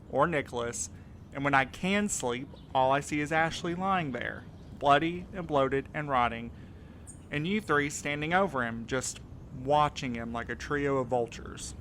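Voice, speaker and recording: A man's voice: fairly high pitch, a bit bright, a little hiss or hum, close to an everyday voice. A man playing a weary, guarded, grieving mail carrier in an audio drama. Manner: reluctant, guarded, terse. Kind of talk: naturalistic audio drama dialogue.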